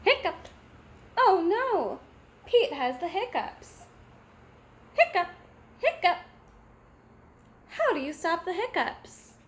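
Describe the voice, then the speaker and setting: A woman reading a picture book aloud to children in an expressive, sing-song manner. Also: extremely high pitch, slow, pauses often. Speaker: storybook reader.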